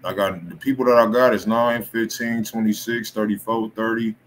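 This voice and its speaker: A man's voice: on the low side, level tone, moderate pace. A man hosting a live music review stream in a casual, slangy, informal way. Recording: faint room noise.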